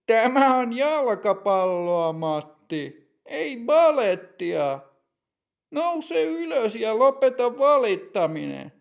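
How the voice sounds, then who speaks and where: A man voicing a gruff, cocky male defender who talks in a brash, taunting way in an audio story lesson. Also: extremely high pitch, very animated, voice pushed up, heavily acted.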